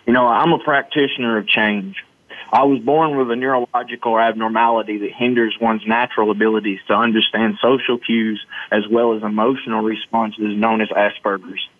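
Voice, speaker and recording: Speaking as an interview guest, a man from Arkansas with a Southern US accent tells his own story in a folksy, earnest manner. His voice is in the ordinary male range, and it comes through a muffled, thin, phone-like line that is dry with no echo.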